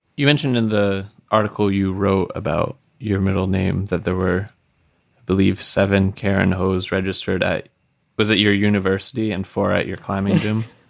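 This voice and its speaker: Here is a man with an ordinary speaking voice, pitched fairly low. He talks at a fairly quick pace with fairly even intonation. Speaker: podcast host. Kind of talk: casual interview.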